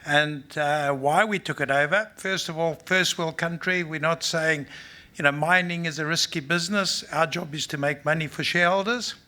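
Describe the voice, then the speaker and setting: A man's voice: a little high, moderate pace, sharp tone. A man with a South African accent, a mining company executive giving an unscripted conference presentation in a blunt, matter-of-fact way, full of fillers and restarts. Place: conference stage.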